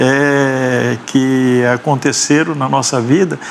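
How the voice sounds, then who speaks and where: A man's voice over noticeable background noise. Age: 60s. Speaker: pastor and missionary. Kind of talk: testimony. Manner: halting.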